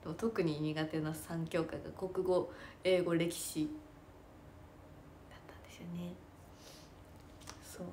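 A woman's voice: fairly low pitch, little pitch movement, measured pace, pauses often, a little mellow, slight background noise. A young woman chatting casually in a self-deprecating way, laughing often as she talks. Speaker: idol and stage actress. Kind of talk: casual chat.

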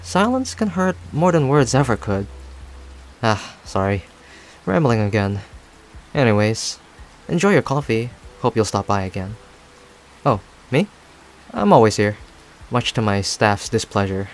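A man playing a friendly, talkative cafe owner in a roleplay audio, speaking to the listener in a chatty, rambling, gently attentive way. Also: mid-range voice, sing-song, measured pace, long pauses. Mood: reflective, friendly. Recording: soft music and rain behind. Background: music and rain sounds.

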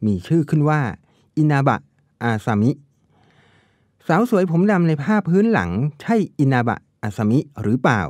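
A man's voice: on the high side, sing-song, normal speed, a little mellow, no echo. A man narrating a novel as an audiobook, telling the story expressively.

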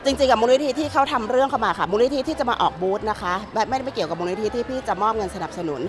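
Speaking into a cluster of handheld press mics in an indoor hall, a middle-aged woman event organizer responds to interview questions in a fast, matter-of-fact way with repeated restarts. Her voice is animated and a little high.

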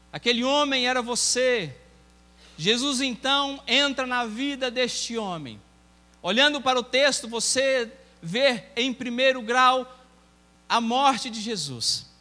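Bright high-voiced Brazilian preacher in a hall. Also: male voice. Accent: Brazilian Portuguese. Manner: storytelling, voicing dialogue within the tale. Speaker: evangelist. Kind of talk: sermon. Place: church sanctuary.

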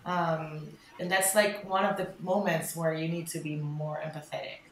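A woman talking candidly on a podcast about her wedding photography work, animated, with lots of fillers and the odd swear word. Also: sits low, moderate pace, echoey room, a little hiss or hum, low-quality recording. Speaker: wedding photographer and filmmaker guest. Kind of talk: casual podcast chat.

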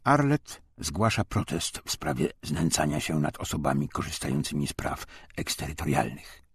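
Very deep, husky man narrating. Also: sing-song, normal speed, no room sound. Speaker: audiobook narrator. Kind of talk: scripted narration of a wartime memoir.

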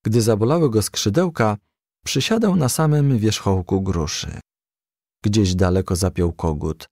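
A man narrating a children's storybook as a gentle, lively storyteller. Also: fairly low pitch, unhurried, no echo, studio quality.

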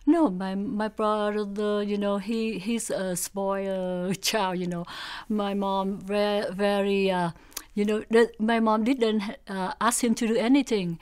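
A woman in her sixties from South Vietnam with a Vietnamese accent, recalling family history in an interview, halting as she searches for words. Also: medium pitch, steady tone, darkish tone, smooth. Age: 60s. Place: indoor studio with backdrop.

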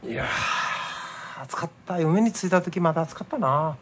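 A man's voice: on the high side, lively intonation, a little slow, background noise. A middle-aged man with a Nagasaki accent, chatting easily at home as he eats and drinks, and stopping to explain local words. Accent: Nagasaki dialect. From Nagasaki, Japan. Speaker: home food vlogger. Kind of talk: casual chat while eating and drinking.

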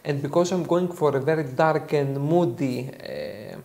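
Young Greek-accented male tutor, earnest and methodical, talks through each step with short pauses. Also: on the high side, creaky, darkish tone. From Greece. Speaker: photo editing tutor. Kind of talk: software tutorial narration. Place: dark studio indoors.

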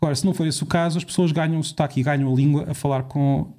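A man's voice: on the high side, fairly even intonation, racing, warm tone. A man with a European Portuguese accent, a podcast guest explaining in casual talk and asking rhetorical questions.

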